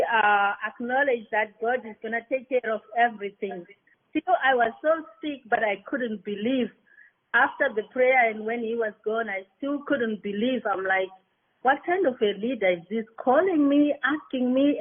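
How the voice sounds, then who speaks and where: A woman with a Zimbabwean accent giving an earnest, halting, spontaneous personal testimony to a meeting. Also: fairly high pitch. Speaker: party member giving a testimony. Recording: tinny, band-limited online call audio.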